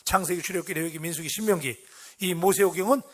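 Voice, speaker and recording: A man's voice: sits high, fast, fairly bright tone. A middle-aged man preaching a dawn sermon in a church, talking conversationally and tossing questions to the congregation. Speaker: pastor. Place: church sanctuary.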